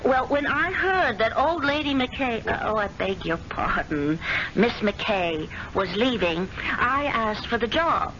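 A brisk, insistent young secretary, fast on her words, in a bright, fairly high register. The sound is dull and lo-fi, like an old radio broadcast. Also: lively intonation, slight background noise. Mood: pushy. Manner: brisk, insistent, talks over the other. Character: pushy, self-assured young woman secretary. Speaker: actress in a radio drama. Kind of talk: 1970s radio drama acting. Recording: dull lo-fi vintage radio recording.

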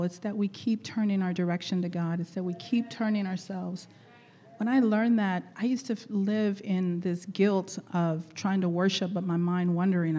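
A middle-aged woman leading a church gathering, chatty and laughing often, her voice going hoarse. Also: lowish voice, warm tone. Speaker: church leader. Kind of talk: warm casual church greeting and exhortation.

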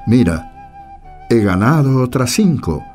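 A man's voice: mid-range voice, big pitch swings, takes it slowly, a little mellow. A man giving scripted storytelling narration for a religious radio play. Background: faint guitar music.

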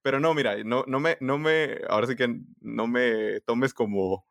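A man's voice: medium pitch, normal speed, vocal fry, no room sound, clean studio sound. A man chatting casually on a podcast, laughing easily and poking fun at himself. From Latin America. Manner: laughs easily, self-deprecating.

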